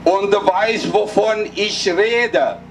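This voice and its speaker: An older man from Egypt, a native Arabic speaker, addresses a political rally at night in a city square, speaking slowly in a high voice. His manner is solemn and deliberate, marked by halting restarts. Though he uses a handheld mic, the distant camera leaves his voice far-off and mixed with street noise.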